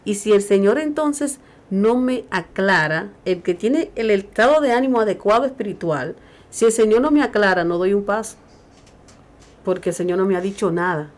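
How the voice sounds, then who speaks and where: A woman's voice: mid-range voice, normal speed. A woman co-hosting a Christian radio talk show, preaching emphatically and raising her voice when she quotes scripture.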